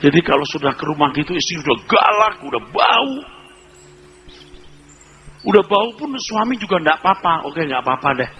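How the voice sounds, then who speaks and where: A male pastor preaching a humorous sermon, telling lively stories and acting out little scenes. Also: high voice, normal speed, pauses often, highs cut off, a little hiss or hum.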